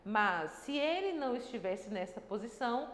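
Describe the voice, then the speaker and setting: A woman's voice: on the high side, expressive, moderate pace. A woman teaching a grammar lesson for exam preparation, explaining step by step and checking in with her students with short tags, with a slightly dry throat. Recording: echoey room with long reverb.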